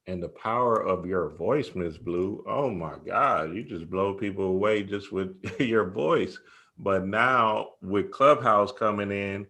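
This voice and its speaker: Male interviewer, low-pitched with a punchy edge; casual, effusive, full of admiring agreement. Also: pushed and bright. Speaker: host, interviewer.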